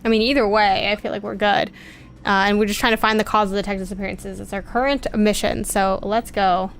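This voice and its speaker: A woman's voice: mid-range voice, flat delivery, brisk, a little hiss or hum. A woman streaming a game, chatting casually, thinking aloud and reading on-screen dialogue.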